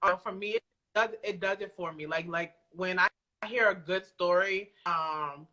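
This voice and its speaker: A woman's voice: lowish voice, moderate pace, bright, forceful tone. An American woman speaking as a podcast guest in a casual, informal, conversational way. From Alexandria, Virginia, United States. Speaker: podcast guest, audio drama creator. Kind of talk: casual chat.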